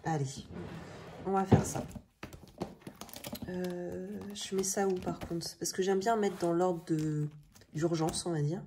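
Low-pitched Frenchwoman, slightly rough morning voice. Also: fairly even intonation, slow pace, pauses often. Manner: colloquial, thinking aloud. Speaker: budgeting video host. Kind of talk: casual chatty vlog narration. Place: indoors at a table. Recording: noisy home recording with clicks.

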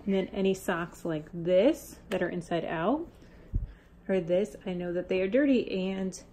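A woman's voice: fairly low pitch, measured pace, warm tone. A young woman chatting casually through her meal prep vlog in her home kitchen, filmed on a phone. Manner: chatty, talks baby-talk to her cats. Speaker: vlogger. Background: faint household appliance hum.

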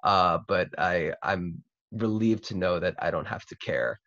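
A young man with a lowish voice hosts a casual chat in an informal, halting way. He is recorded close and dry on a video call, with slightly muffled, lo-fi sound. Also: fairly bright tone, no room sound. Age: young adult. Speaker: host. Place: small cluttered room at home. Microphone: computer mic on a video call.

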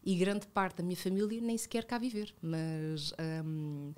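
A woman in her thirties with a European Portuguese accent, talking reflectively as a podcast guest, with many fillers and self-corrections, close on a studio boom mic. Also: a little slow, a little mellow. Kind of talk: casual conversational interview. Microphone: studio boom mic with headphones.

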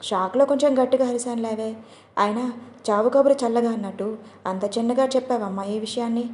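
A woman voicing an outspoken young woman friend who talks loudly, with scolding and sarcastic jabs, in a roomy recording. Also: on the high side, natural voice. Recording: roomy echo.

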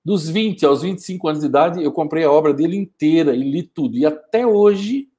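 A man in his fifties giving a forceful, scolding motivational talk on a live stream, using an earphone mic in a small home studio. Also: on the high side, a little fast. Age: 50s. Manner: forceful, scolding, gestures a lot. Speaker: motivational speaker. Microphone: wired earphone mic, webcam framing.

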